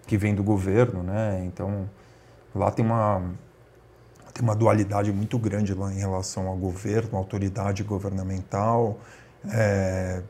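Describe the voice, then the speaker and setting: A man with a São Paulo Brazilian Portuguese accent, chatting in a relaxed way full of slangy fillers. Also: fairly low pitch, moderate pace, slight background noise. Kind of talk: casual conversation.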